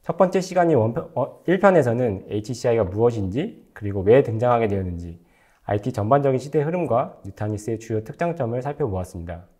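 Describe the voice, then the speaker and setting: Male technical lecturer, mid-pitched with a warm, relaxed tone, formal prepared explanatory delivery. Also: quick pace. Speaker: technical lecturer, company engineer.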